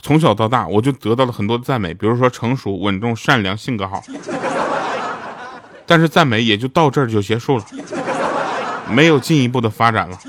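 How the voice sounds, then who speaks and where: A man's voice: medium pitch, fairly quick, long pauses. Chatty joking man, noisy recording. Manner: joking, chatty, laughs at his own punchlines. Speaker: radio drama voice actor promoting his show. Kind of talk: casual comedic monologue.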